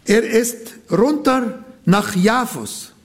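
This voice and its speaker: Slow-speaking Arabic-native man preaching. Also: sits high. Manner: non-native German with grammar slips, personal testimony. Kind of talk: sermon.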